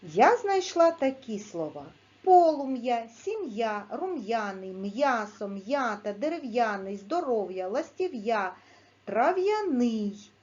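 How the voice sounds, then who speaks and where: Woman teacher, slow clear instruction, lively melody, slightly dull lo-fi sound. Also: on the high side. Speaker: primary school teacher. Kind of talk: video lesson for young pupils.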